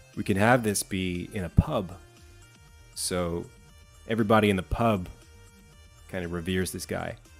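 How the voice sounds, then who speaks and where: A man with a very deep, low pitch and ordinary pitch variation speaks at a moderate pace with long, frequent pauses and big swings in loudness, music playing in the background. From Australia. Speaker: streamer.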